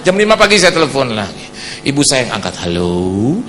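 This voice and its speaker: A middle-aged man preaching, telling a story animatedly and acting out the people in it, at times shouting and near tears. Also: mid-range voice, big pitch swings, fast. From Indonesia. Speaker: pastor. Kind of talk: sermon with acted-out story. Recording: noisy hall reverb.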